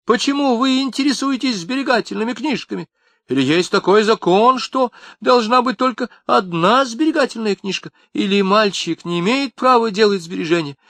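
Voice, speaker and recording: A man's voice: high-pitched, lively intonation, normal speed, fairly bright tone, dry recording, voice pushed up. A man voicing a tearful, indignant older mother who scolds shrilly. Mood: shrill indignant.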